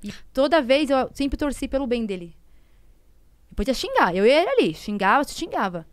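Brazilian woman with a smooth, clear voice. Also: high voice, big pitch swings, moderate pace, no room sound. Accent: Brazilian Portuguese. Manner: conversational, often trailing into soft, hushed tones and frequent tag questions. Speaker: podcast guest. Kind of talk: emotional personal storytelling.

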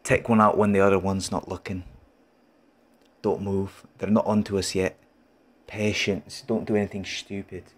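A man voicing a gruff, seasoned military sniper captain from a video game, terse and commanding. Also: deep voice, little pitch movement, moderate pace, pauses often. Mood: commanding, tense. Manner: terse, commanding, dry-humoured. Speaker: amateur voice actor. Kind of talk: video game voice acting demo.

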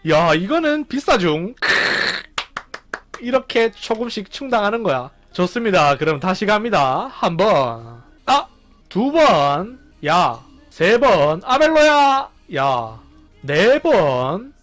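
Male gaming streamer: high, bouncy voice full of countdowns and shouts, over soft game music. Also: slow. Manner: animated, counting down and exclaiming loudly. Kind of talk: excited gameplay commentary.

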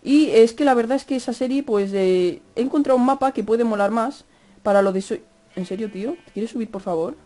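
A young man with a Spanish accent from Spain chatting fast over Minecraft gameplay, cursing and yelling at the mobs. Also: very high-pitched. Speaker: gaming youtuber.

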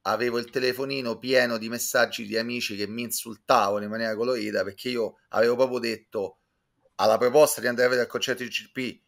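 A man's voice: medium pitch, level tone, fast talker, vocal fry, fairly bright tone. A man, giving discursive, learned, self-ironic commentary as a guest on a video call. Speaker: guest reviewer, culture commentator. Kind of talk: conversational critical commentary. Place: indoors, small room with bookshelves. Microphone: video call, close to webcam.

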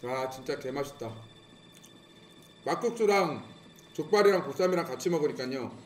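A man's voice: normal speed, slight background noise. A man streaming an eating show, chatting casually with his mouth full of noodles. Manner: chatty, eating while talking, lively pitch. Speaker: mukbang streamer. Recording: roomy sound with loud background music.

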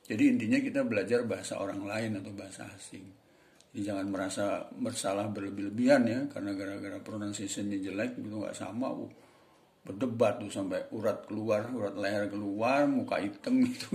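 A man gives a relaxed English lesson, talking straight to his viewers as friends. His voice sits on the low side and rings in an echoey room. He chats along casually rather than reading a script. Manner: chatty, repeats "teman-teman", mimics voices for examples. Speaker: English tutor.

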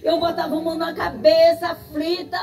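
A woman's voice: extremely high pitch, completely flat delivery, moderate pace, darkish tone. A middle-aged woman with a Brazilian Portuguese accent giving a tearful church testimony in a sing-song preaching cadence. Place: church service. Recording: distant mic with faint music.

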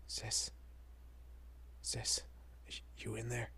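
A man playing a protective, easily bewildered young husband and father in an audio roleplay, with a husky, breathy, often whispering voice and halting, muttering delivery. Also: bright, forceful tone, full character voice. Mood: anxious, hushed. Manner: halting, muttering, mild swearing.

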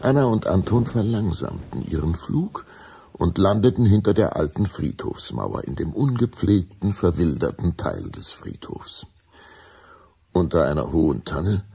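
A man narrating a children's radio play as a measured, solemn storyteller with a raspy voice. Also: low-pitched, big pitch swings, warm tone, exaggerated voice. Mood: measured, eerie. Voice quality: raspy, gravelly.

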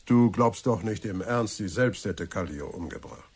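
An actor playing an eager, excitable sidekick to an amateur sleuth, with a husky voice, in a German radio crime drama. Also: male voice, fairly low pitch, normal speed. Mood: astonished.

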